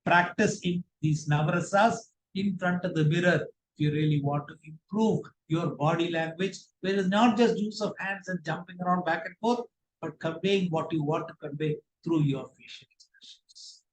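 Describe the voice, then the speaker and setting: A man with an Indian accent teaching a public speaking workshop in a deliberate, instructive and emphatic way. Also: on the high side. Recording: roomy, echoing voice pickup.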